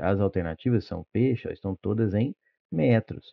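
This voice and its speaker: Against a quiet background, a man with a Brazilian accent speaks at a fairly low pitch with ordinary pitch variation. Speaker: physics teacher. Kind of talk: tutorial.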